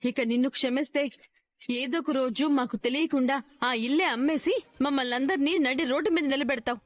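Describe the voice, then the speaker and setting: A woman's voice: sits high, fairly quick, dry recording, lightly acted. A woman playing a stern accusing daughter-in-law. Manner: accusing, firm and threatening. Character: stern young daughter-in-law, righteous and fierce. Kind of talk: TV serial acting.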